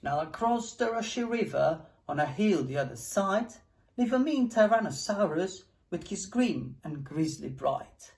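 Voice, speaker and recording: Woman, storybook reader, rhythmic sing-song, lively pitch, slow. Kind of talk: picture-book read-aloud.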